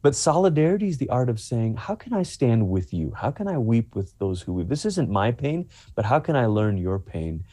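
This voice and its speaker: A man's voice: mid-range voice, sing-song, normal speed, hardly any pauses, dark tone, no echo. A man from Malaysia, a pastor and author, speaking earnestly as a guest in an interview and repeating himself as he builds a point.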